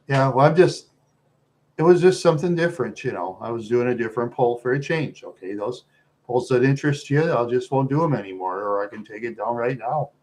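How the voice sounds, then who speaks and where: A man with an American accent chatting casually to viewers as a livestream host, rambling along in a talkative, halting way. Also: mid-range voice, darkish tone.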